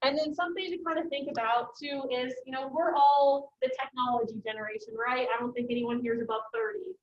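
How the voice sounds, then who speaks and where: High-voiced woman lecturing casually. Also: steady tone, brisk. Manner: chatty, many "you know" fillers and "um"s. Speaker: college instructor. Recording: dull lo-fi lecture recording.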